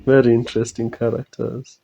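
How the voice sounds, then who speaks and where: A host gives casual reaction commentary at a medium pitch. The delivery is hesitant and halting, circling back to repeat phrases. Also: level tone, gravelly, warm tone, dull audio.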